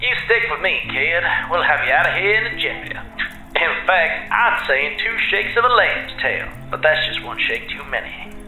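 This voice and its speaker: Condescending folksy lawyer, Southern US drawl, high sharp voice, theatrical, audio drama, roomy echo. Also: male voice, very animated, normal speed, heavily acted. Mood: smug, playful. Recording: roomy echo, faint music behind.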